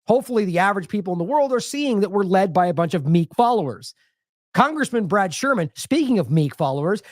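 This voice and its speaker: A man's voice: sits high, dry recording, clean studio sound. An American man hosting an independent news show, delivering sarcastic, indignant commentary full of rhetorical questions.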